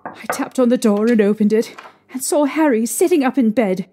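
A young woman playing a distraught, haunted mother recounting her ordeal emotionally and haltingly in an audio drama. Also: fairly high pitch, mellow, a little hiss or hum, natural voice. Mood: uneasy, shaken.

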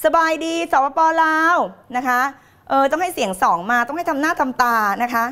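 A woman's voice: high voice, fairly quick, bright, forceful tone. A middle-aged woman teaching on a live stream, reading viewer comments in a playful, theatrical way. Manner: playful and theatrical, laughing and putting on voices.

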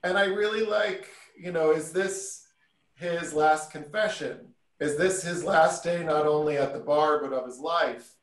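A man's voice: fairly high pitch, measured pace. A man co-hosting a casual video call discussion, eagerly tossing out questions. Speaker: co-host. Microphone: webcam on a video call. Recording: echoey room on a webcam.

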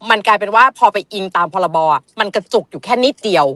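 A woman's voice: mid-range voice, fast, no echo. A woman politician, a guest on a casual talk show, explaining at length and often restarting her sentences.

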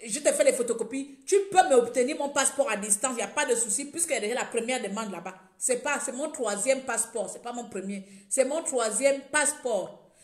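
A woman in her thirties from Gabon, ranting indignantly to her phone camera in a small room, repeating herself and growing louder. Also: fairly high pitch, fairly quick, reverberant. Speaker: vlogger. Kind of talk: impassioned direct-to-camera rant. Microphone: phone camera at arm's length.

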